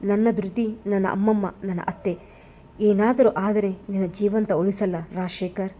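A woman's voice: medium pitch, fairly even intonation, measured pace, dark tone, natural voice. A woman voicing a protective young lover. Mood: angry. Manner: tender but flaring into anger. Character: devoted young man, protective and hot-tempered lover.

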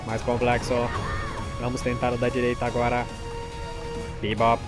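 Man doing a flat robot voice. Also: mid-range voice, normal speed, natural voice. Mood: monotone robot. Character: flat robotic computer voice, male. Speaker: gameplay video host. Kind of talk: let's-play gaming commentary. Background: game music.

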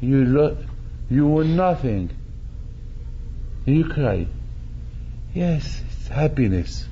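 A man's voice: mid-range voice, sing-song, slow, dark tone, muffled recording, a little hiss or hum. An older man, a rabbi, preaching animatedly, repeating phrases and acting out quotes, speaking into a stand mic in a synagogue hall. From Morocco. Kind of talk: sermon. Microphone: stand mic at chest.

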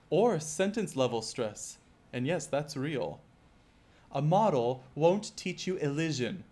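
A male IELTS teacher giving a scripted lesson, speaking clearly and measuredly and putting rhetorical questions to the viewer. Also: on the high side, darkish tone.

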